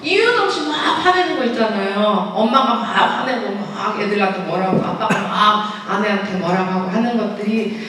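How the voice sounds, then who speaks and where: A woman's voice: mid-range voice, moderate pace, few pauses, fairly bright tone, slight background noise. A woman speaking as a guest pastoral counselor at a church lecture, chatty, acting out quoted voices and asking the audience questions. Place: large church sanctuary. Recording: echoey hall, voice from a distance.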